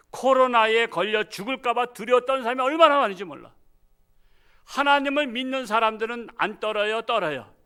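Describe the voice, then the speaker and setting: Male pastor, bright and high, lively sermon storyteller who quizzes the congregation. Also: clean tone. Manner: animated storytelling, rhetorical questions. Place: church.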